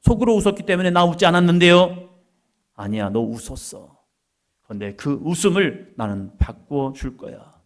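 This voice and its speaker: A male pastor preaching, acting out scripture dialogue in a slow, drawn-out, homey voice. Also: a little high, big pitch swings. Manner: dramatizing God's words in a slow, drawn-out homey voice. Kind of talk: sermon.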